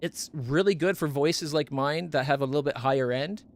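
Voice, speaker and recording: Chatty man with a higher voice. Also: normal speed. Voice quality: not very deep voice. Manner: rambling, self-correcting, stumbles over names. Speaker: streamer. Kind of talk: casual chat about gear on a game stream. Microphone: studio condenser mic up close.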